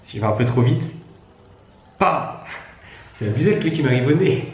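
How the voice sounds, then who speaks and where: A man's voice: mid-range voice, lively intonation, moderate pace, darkish tone, very echoey. Congested young man vlogging casually. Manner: slangy, informal. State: congested with a cold, worn-out voice. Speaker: travel vlogger. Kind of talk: casual vlog chat.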